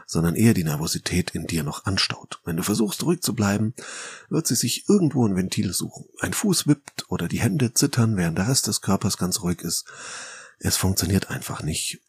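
A man with a German accent hosting a solo podcast as a rhetoric coach, explaining in a lively, conversational way with mock quotes. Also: low-pitched, husky.

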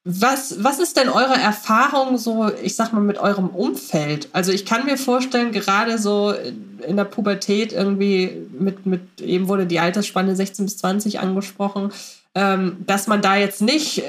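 Woman podcast host, middle pitch voice, casually asking guests stuff. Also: normal speed. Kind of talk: casual chat.

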